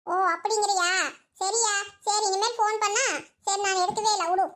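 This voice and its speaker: Very high bright cartoon village wife a woman doing her, kongu accent, pleads and coaxes. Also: fairly even intonation, moderate pace. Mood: sulky. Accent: Kongu Tamil. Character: chatty young village wife, quick to argue. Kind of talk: cartoon voice acting.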